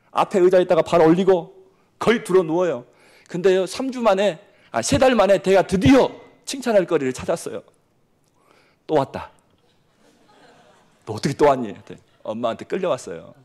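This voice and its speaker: A man in his forties from Jeolla, preaching a sermon as pastor with lively storytelling that swings between loud and hushed. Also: a little high. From Jeolla, South Korea.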